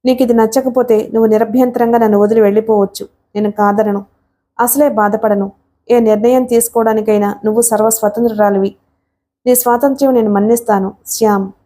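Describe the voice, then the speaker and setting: A woman reading the part of an angry young husband caught between his wife and his mother, speaking fast and heated. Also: fairly high pitch, fairly even intonation, lightly acted. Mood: stern, resigned. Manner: shouting in frustration, rapid.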